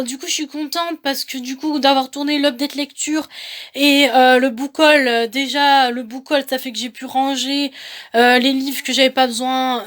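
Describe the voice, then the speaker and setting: High-voiced young woman vlogging. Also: fairly bright tone. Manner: rambling, repetitive, hesitant phrasing. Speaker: book vlogger. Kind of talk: casual vlog monologue.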